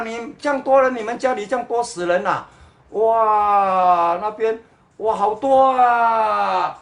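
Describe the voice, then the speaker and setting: A Singaporean man mocks his livestream viewers in the chat, his Mandarin carrying a local accent and sprinkled with Hokkien words. His voice sits high and sounds reverberant. He's sarcastic and mocking throughout, mixing in Hokkien and English.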